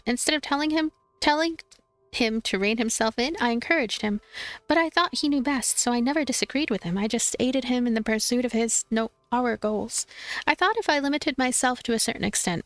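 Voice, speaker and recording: Woman streamer reading a visual novel out loud, expressive, close dry mic, soft music behind. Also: on the high side, dry recording. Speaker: let's play streamer and narrator. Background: game music.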